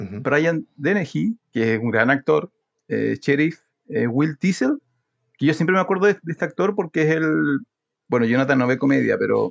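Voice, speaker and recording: In dry, close sound with no echo, a man with an unremarkable speaking voice talks at a moderate pace in a fairly high pitch with lively intonation. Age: 30s. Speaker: podcast co-host. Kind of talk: casual chat.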